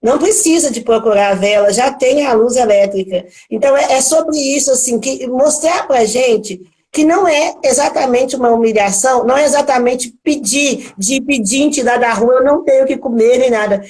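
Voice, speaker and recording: Brazilian Portuguese woman, live-stream guest, a bit high, halting, repeats herself. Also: darkish tone, low-quality recording. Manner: hesitant, often repeats words and restarts, reflective. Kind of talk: casual conversation on a live stream.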